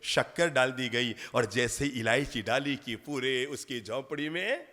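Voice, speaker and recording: A man preaching, telling a story with lively rhetorical questions. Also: medium pitch, measured pace. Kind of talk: storytelling sermon. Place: large lecture hall. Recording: long hall reverb.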